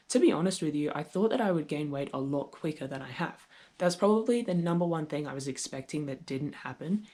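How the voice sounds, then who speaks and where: This vlogger is a young trans man whose voice has begun deepening on testosterone early in his transition. He talks openly and thoughtfully to the camera, with light touches of humor.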